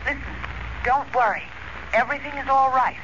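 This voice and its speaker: An actress playing a hurried young woman reporter speaking briskly over the phone, in 1940s radio acting. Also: high voice, lightly acted. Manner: hurried, clipped. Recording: hissy old radio recording, filtered phone line.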